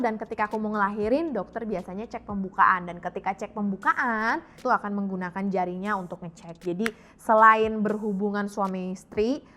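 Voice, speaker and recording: A woman's voice: a little high, fairly bright tone. A young adult woman talks candidly and casually to her viewers, dropping English phrases into her chat. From Indonesia, mixed European and Indonesian family. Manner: frank, chatty, code-mixing English phrases. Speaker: YouTube health and fitness vlogger.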